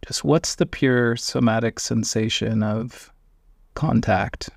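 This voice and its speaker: A man guiding a meditation in a calm, measured manner, speaking in short, sparse phrases with long pauses, close to the microphone. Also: medium pitch, vocal fry, dry recording. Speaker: meditation guide. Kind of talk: guided meditation.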